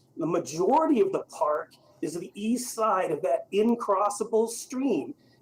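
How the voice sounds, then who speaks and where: Shaky and high-pitched, a man talks at a fairly slow pace with very wide pitch swings. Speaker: private citizen giving public comment. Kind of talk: public comment at planning meeting. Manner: emotional, shaky voice.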